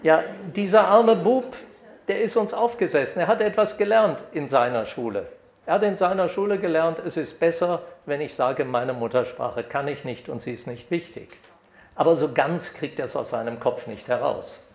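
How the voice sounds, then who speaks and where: An older man giving an academic lecture at a podium microphone, lively when reading examples aloud. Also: a little high, moderate pace, creaky. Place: lecture hall. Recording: echoey hall.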